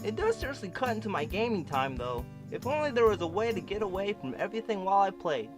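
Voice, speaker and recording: A man voicing a whiny, sneaky, nerdy young gamer in an animated comedy. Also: sits high, fast. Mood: scheming. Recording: music under the voice.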